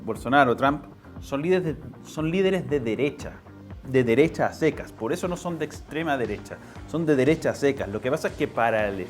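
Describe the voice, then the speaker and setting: Male Chilean political commentator, interview guest, medium pitch, explanatory and halting delivery, repeats for emphasis. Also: expressive, faint music behind.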